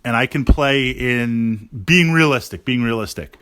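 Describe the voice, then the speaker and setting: A man giving a casual podcast monologue as a gaming host, thinking aloud haltingly and repeating words for emphasis. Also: medium pitch, sharp tone, clear, resonant tone, no room sound.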